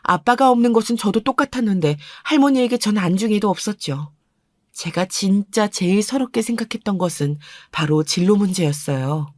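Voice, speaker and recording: Brief: female story narrator, calm and confiding, dry close sound. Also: mid-range voice, normal speed, dry recording. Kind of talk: first-person story narration.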